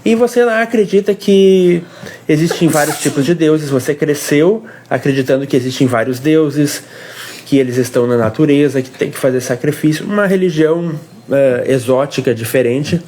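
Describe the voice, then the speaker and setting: A man from Brazil, explaining a faith question on a casual family devotional livestream, with pauses and restarts. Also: a little high, darkish tone, a little hiss or hum. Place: home livestream.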